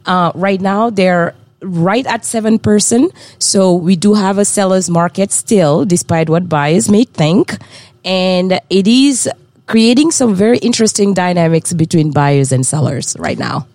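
Low-voiced woman with a West African French accent. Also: unhurried, a little mellow, dry recording. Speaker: real estate guest. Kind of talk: podcast interview.

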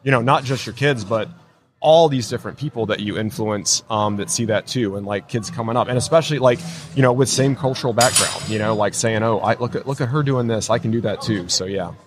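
A man's voice: lowish voice, fairly quick, noisy background. A man hosting a podcast interview at a convention, enthusiastic and rambling, with many restarts and fillers. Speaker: podcast host. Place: convention floor.

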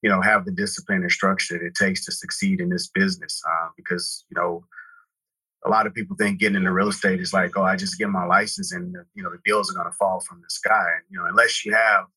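A man from Houston, Texas, in his forties, talking as a podcast interview guest in a relaxed, rambling way full of "you know" fillers. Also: deep voice, quick pace, husky, no echo, low-quality recording. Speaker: guest, real estate brokerage founder. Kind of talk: casual interview talk.

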